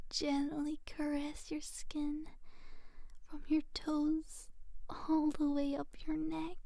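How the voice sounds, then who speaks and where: A woman voicing a teasing but secretly gentle female demon in an intimate ASMR roleplay, with a soft, breathy, often whispered delivery. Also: high-pitched. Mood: menacing, teasing.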